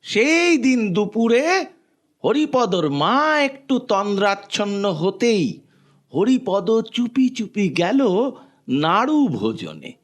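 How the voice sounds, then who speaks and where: A male narrator with an unusually high voice tells a children's story theatrically. He goes slowly with animated swings of pitch.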